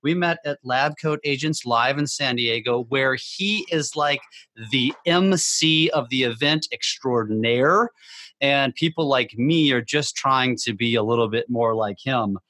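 Energetic male podcast host. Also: medium pitch, measured pace, no room sound. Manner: energetic, hype-style introductions. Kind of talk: podcast interview.

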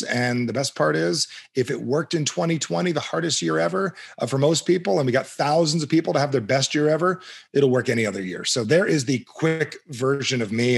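A middle-aged man from New Jersey, guesting on a podcast. His voice is husky and sits at an average pitch. He pitches himself with confident, punchy energy, often repeating words as he builds momentum. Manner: confident, punchy salesman delivery with quick repeats. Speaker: interview guest, coach and author. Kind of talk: energetic self-introduction in an interview.

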